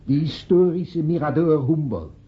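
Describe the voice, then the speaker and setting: An actor playing a sentimental man who speaks in a declamatory, measured way in a radio play. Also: a little high, lively intonation. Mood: solemn, nostalgic. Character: man giving a solemn, sentimental graveside eulogy for a friend. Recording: dull, noisy old radio play recording.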